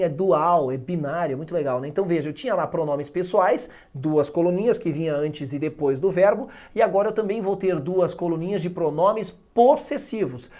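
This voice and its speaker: A man with a Brazilian Portuguese accent teaching English grammar in an exam-prep video lesson, animated and emphatic, checking in with students every few words. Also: high voice.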